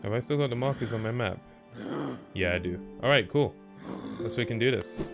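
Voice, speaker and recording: A man's voice: mid-range voice, moderate pace, music in the background. A man streaming a game with casual commentary, thinking aloud in mild slangy exclamations. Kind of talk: casual let's play commentary.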